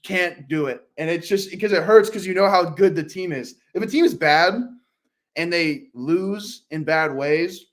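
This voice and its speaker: A high-pitched man co-hosts a casual sports podcast. He talks fast and rambles, and his voice climbs sharply when he relives exciting plays. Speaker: podcast co-host.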